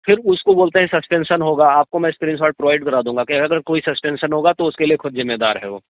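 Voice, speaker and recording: A man's voice: fairly high pitch, very animated, fast, dry recording. A man on a recorded phone call, explaining work grievances in a matter-of-fact, explanatory way. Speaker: election field worker being interviewed. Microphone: phone line.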